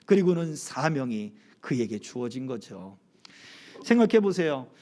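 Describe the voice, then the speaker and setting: A man's voice: mid-range voice, very animated, unhurried, warm tone. A male pastor delivering a Sunday sermon at a church service, preaching with animation and asking the congregation questions. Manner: leads the congregation in reading aloud together.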